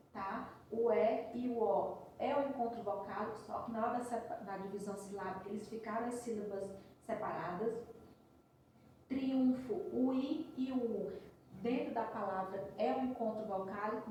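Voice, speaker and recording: A woman's voice: mid-range voice, mellow, a little hiss or hum. A woman teacher giving a patient recorded review lesson, explaining step by step and checking in with frequent tags. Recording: roomy echo from a distance.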